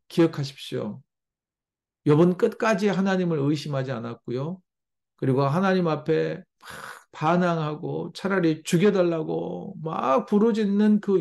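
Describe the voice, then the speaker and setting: A man preaching a sermon as pastor, emphatic and animated, often addressing the congregation directly and acting out heartfelt pleas. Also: fairly high pitch, gravelly.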